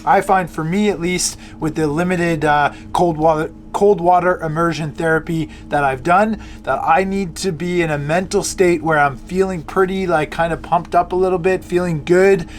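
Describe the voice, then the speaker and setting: A man's voice: a little high, steady tone, normal speed, few pauses. A man talking casually to camera as a vlog presenter, hesitating and correcting himself as he goes. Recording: music behind the voice.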